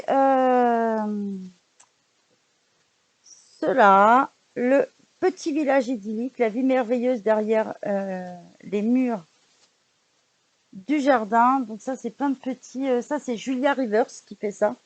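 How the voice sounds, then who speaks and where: A woman's voice: on the high side, takes it slowly, pauses often, no echo. A woman vlogger in casual chat, showing books she bought, hesitant with frequent fillers and restarts, recorded indoors at home. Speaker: vlogger showing a book haul.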